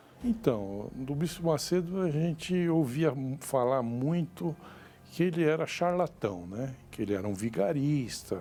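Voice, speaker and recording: Fairly high male voice at a fairly slow pace, very wide pitch swings, music in the background. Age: 60s. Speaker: church member giving testimony. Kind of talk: testimony. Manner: halting.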